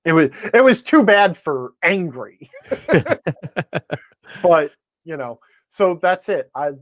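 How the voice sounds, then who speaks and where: Higher-voiced American man, rambling chat. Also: slow, no echo, clean studio sound. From Wisconsin, United States. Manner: rambling, animated self-deprecating rants. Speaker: podcast guest, blogger and game designer. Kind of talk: casual interview chat.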